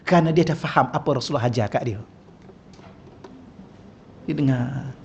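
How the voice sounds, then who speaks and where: A man with a Malaysian Malay accent giving a humorous, conversational religious lecture in a mosque hall, often asking the audience questions. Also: on the high side. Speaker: religious teacher. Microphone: wireless microphone.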